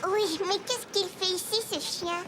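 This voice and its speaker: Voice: extremely high pitch, a little slow. A performer voicing a cheerful, curious four-year-old boy in a French children's cartoon, with an eager and simple childlike delivery.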